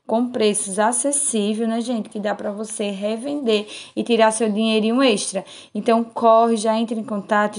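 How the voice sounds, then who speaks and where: A woman with a Pernambuco accent hosting a fashion wholesale channel, giving a slow, sing-song sales pitch over a product showcase. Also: a little mellow. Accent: Pernambuco Portuguese. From Brazil.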